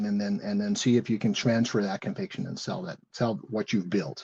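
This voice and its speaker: At a moderate pace, a man talks with a dark, mellow tone and very wide pitch swings. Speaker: engineer and innovation specialist. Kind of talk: interview.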